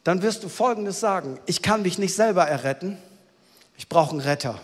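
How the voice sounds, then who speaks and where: A man with a very high voice preaches with earnest, pleading urgency. He rises to loud, emphatic calls and drops to hushed, intimate asides. A long reverb tail hangs on every word, as in a large hall. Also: expressive, a little fast, breathy edge. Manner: earnest, pleading, swings between loud exclamations and quiet intimate passages. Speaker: pastor. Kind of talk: sermon.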